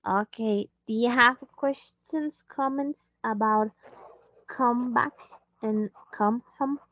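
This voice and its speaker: Woman English teacher, slow and patient delivery, fairly high voice, dull dry call audio. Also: a bit bright, dry recording. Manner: slow, patient, switching into Spanish to explain. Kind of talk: online English lesson.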